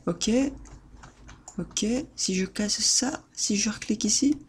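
A man commentating his own gameplay as a video host, excitable and theatrical, repeating words and breaking into sudden high-pitched outbursts while talking to his viewers. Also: slow, breathy edge. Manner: playful theatrical exclaiming, addresses viewers. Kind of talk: let's-play gameplay commentary.

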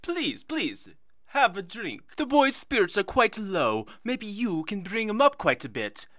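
A man voicing a pompous, fussy, matchmaking posh gentleman in an improvised comedy skit. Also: high voice, wildly swooping pitch, measured pace, no echo, clean studio sound, full character voice. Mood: coaxing. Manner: lecherous and fussy, dithering.

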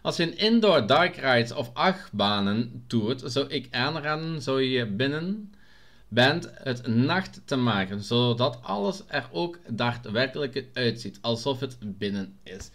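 Slow-talking Limburg Flemish man. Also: mid-range voice, lively intonation, a bit bright. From Belgium, Limburg. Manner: unhurried, hesitant with frequent filler sounds. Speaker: vlogger. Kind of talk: casual Q&A, reading out viewer comments.

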